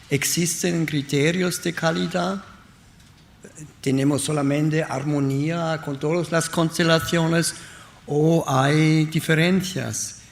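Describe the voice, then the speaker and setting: A German man speaking Spanish as a second language, reading a prepared lecture at a conference with careful, halting delivery. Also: on the high side, vocal fry, a little hiss or hum. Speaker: guest speaker. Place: conference hall.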